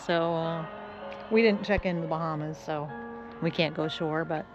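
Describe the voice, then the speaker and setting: A woman casually narrating a boating vlog from aboard her trawler, chatty and quick to laugh at herself. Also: deep voice, steady tone, lo-fi sound, over music. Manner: chatty, laughs often, self-teasing. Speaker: boat owner vlogging. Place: aboard a trawler at sea, outdoors.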